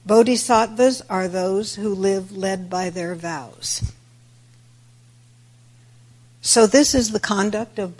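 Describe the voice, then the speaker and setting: A woman with a raspy voice, a little worn today, giving a reflective Buddhist dharma talk in measured, deliberate phrases. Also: mid-range voice, a little mellow. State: raspy voice today with throat clearing. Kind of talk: sermon, reflective religious talk.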